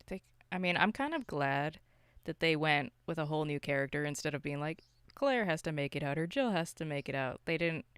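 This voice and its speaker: A podcast host chatting casually about films and games in an animated, self-interrupting way with some mild swearing. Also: medium pitch, a little fast, smooth, no echo. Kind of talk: casual film and game discussion.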